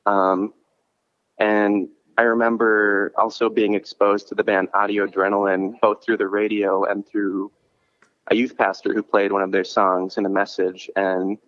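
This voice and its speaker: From a coffee shop in Minnesota, a lower-pitched man phones in as an interview guest, the line sounding muffled. The podcast host and concert promoter speaks unhurriedly with little pitch movement and a slightly bright tone, chatting and telling stories in a loose, rambling way with frequent restarts and "like" fillers.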